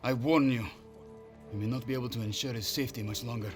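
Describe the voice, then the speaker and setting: An actor playing a weary, courteous male army lieutenant who speaks in a formal, measured way. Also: medium pitch, fairly even intonation, faint music behind, natural voice. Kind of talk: video game cutscene acting.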